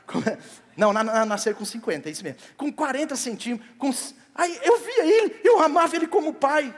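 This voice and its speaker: A male pastor preaching a sermon with a Brazilian accent, swinging from loud emphatic peaks to soft quiet lines, in a church hall. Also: extremely high pitch. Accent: Brazilian Portuguese. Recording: long church hall reverb.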